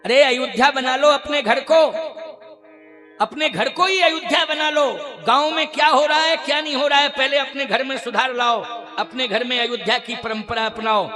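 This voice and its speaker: A male Hindu preacher giving a devotional sermon, exhorting his listeners with emphatic, repeated phrases. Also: extremely high pitch. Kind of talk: devotional sermon with chanted verses.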